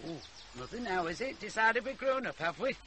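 An older actress playing an earthy, scolding country grandmother with a Northern English accent, brisk and dry-witted, in a radio drama. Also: medium pitch, lively intonation, crowd noise, lightly acted. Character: sharp-tongued, earthy old country grandmother. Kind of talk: naturalistic radio drama acting.

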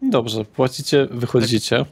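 A man narrating a tabletop role-playing game as game master, halting as he searches for words. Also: medium pitch, breathy edge.

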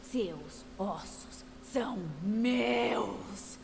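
A woman's voice: fairly high pitch, drawn-out words, vocal fry, darkish tone, long reverb tail, a little hiss or hum, exaggerated voice. A woman voicing a menacing, vengeful warlord in a video game.

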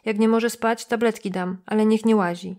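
A woman's voice: mid-range voice, fairly even intonation, moderate pace, darkish tone, lightly acted. A woman voicing a nosy, suspicious middle-aged male motel receptionist who lectures and gossips.

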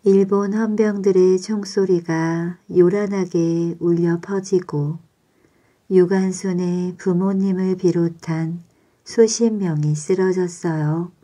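A woman telling a bedtime story in a calm, measured, soothing way. Her voice is mellow and a little low, and she takes her time over every phrase.

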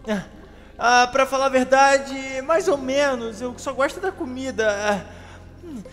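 A man with a Brazilian accent doing a dramatized game role-play, excitable and theatrical, often repeating his phrases. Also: very high-pitched, unhurried, faint music behind. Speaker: gaming video creator playing a scared explorer.

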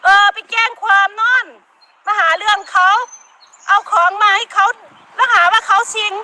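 A middle-aged woman with an Isan accent scolds in a very high, bright voice during a heated live-stream rant. She talks outdoors in the countryside, with animals and outdoor noise faintly behind her. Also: steady tone, normal speed. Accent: Northeastern Thai (Isan). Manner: scolding, emphatic, frequent laughter, Isan dialect words.

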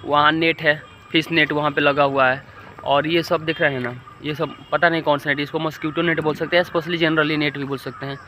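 A man's voice: on the high side, level tone, brisk, sharp tone. A young man vlogging outdoors by a pond, talking chattily to viewers on a phone held at arm's length. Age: young adult. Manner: chatty, addresses viewers directly, mixes in English words. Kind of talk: casual outdoor vlog. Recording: noisy outdoor phone recording.

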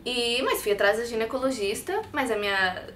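Portuguese-accented woman, animated interview guest. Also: fairly high pitch, normal speed, reverberant, slight background noise. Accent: European Portuguese. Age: 30s. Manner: expressive, talks with her hands. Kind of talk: personal story in a sit-down interview. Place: bright studio set with sofa and shelves. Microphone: lapel mic.

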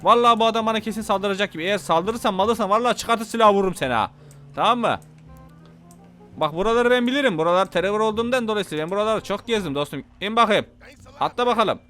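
A man giving casual, excitable commentary while playing a game, talking to his viewers and to the passengers in the game. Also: sits high, fast, soft background music. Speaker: gameplay commentator.

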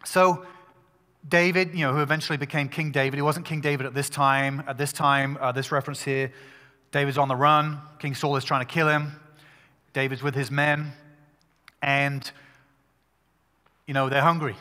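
A male pastor preaching a sermon at a pulpit microphone, talking in an emphatic, conversational way with quick restarts. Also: medium pitch, flat delivery, pushed and bright, in a large hall.

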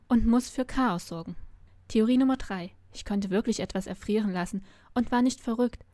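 A woman's voice: medium pitch, dark tone, no room sound. A woman reading a novel aloud, narrating expressively in the first person. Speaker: story reader.

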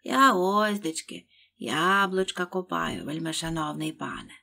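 A woman voicing Pat, a simple, timid male servant who answers humbly and pleads, in a husky voice. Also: low voice, a little slow, pushed and bright, full character voice. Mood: humble.

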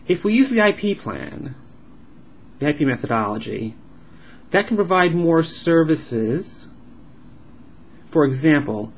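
Male interpreter voicing a vlog, mid-pitched, halting phrase-by-phrase delivery, muffled lo-fi audio. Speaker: sign language interpreter voicing a signed vlog. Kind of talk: live interpretation of an explanatory vlog. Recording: dull lo-fi sound with clear background noise.

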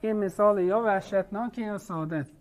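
A woman's voice: medium pitch, darkish tone. A woman teacher leading an online class, patiently questioning her students.

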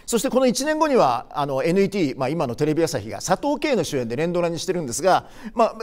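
Animated older man explaining films. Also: a little high. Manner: chatty explainer, frequent filler pauses. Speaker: film commentary host. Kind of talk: casual film commentary.

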